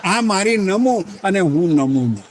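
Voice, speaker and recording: A man's voice: high voice, big pitch swings, unhurried. A man doing a comic storytelling monologue as a humorist, chatty and addressing the audience directly. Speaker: stand-up humorist.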